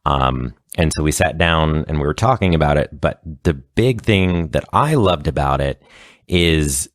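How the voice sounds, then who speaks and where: A man with an extremely deep voice talks in a casual interview. He is chatty and earnest, and the sound is close and dry. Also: expressive, measured pace, dry recording. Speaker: guest, sketch and radio play performer.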